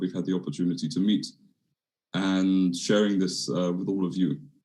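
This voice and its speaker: At a fairly quick pace, a man with a strong British accent speaks in a very deep, low voice with a dark, mellow tone. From London, England. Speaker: foundation founder. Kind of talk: video call interview.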